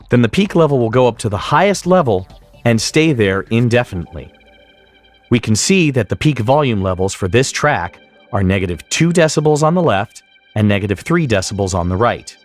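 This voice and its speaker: A man narrating a scripted software tutorial as an instructor, in a measured, explanatory way. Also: on the low side.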